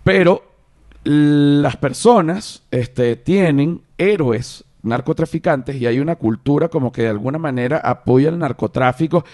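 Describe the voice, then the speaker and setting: A young man with a Venezuelan accent hosting a casual podcast, rambling and animated, with many restarts. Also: a little high, a little slow, few pauses. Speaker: podcast host.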